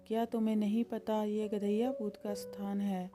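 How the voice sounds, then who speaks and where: A woman's voice: mid-range voice, level tone, normal speed, dark tone, soft background music, natural voice. A woman voicing a grumpy, fussy male ghost in a storybook tale, scolding and squeamish. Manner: scolding, squeamish, sing-song chants. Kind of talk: storybook character voice.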